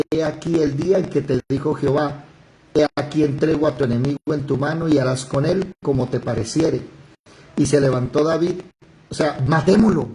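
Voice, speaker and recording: A man teaching a live Bible study, explaining verses in a lively way and stopping the reader to comment. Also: on the high side, slight background noise, poor audio.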